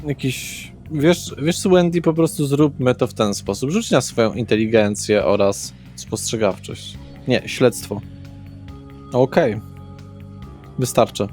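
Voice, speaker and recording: A man's voice: mid-range voice, unhurried, a little mellow. Explanatory man running a game over guitar music. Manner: explanatory, conversational. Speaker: game master. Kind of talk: narrating a tabletop roleplaying session.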